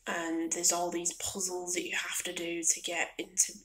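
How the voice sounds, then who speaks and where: A woman rambling softly in an ASMR style, hesitant and at times slipping toward a whisper. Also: lowish voice, monotone, moderate pace, low-quality recording. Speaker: gaming and ASMR video creator. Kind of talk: soft-spoken ASMR ramble.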